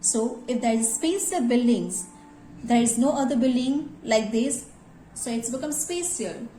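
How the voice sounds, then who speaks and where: Woman, school grammar teacher, high mellow voice, patient and repetitive. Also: a little slow, reverberant, a little hiss or hum, rough recording. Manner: addresses students directly, repeats "yes" as a check. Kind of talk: classroom grammar lesson.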